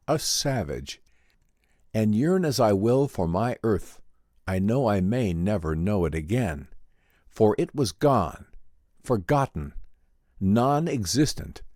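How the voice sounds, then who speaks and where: A despairing space traveler, lost eons from home, as performed by a man, tells his tale in a low, dry-recorded voice. The delivery is theatrical and anguished, swinging widely in pitch like classic sci-fi radio drama. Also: sing-song, takes it slowly, a little mellow, dry recording. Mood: mournful resignation. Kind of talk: dramatic first-person sci-fi audiobook narration, old-time radio drama.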